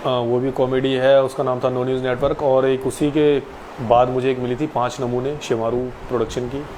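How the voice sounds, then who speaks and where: A man's voice: medium pitch, level tone, moderate pace, a little mellow, slight background noise, low-quality recording. A man in his late twenties, an actor, answering viewers' questions casually and politely on a live stream. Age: 20s.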